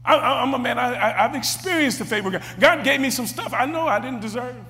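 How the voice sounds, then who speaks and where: Speaking quickly, a strikingly high-voiced preacher trips over and repeats words while working his sermon up toward shouting. His voice rings with a lengthy echo, like in a big hall.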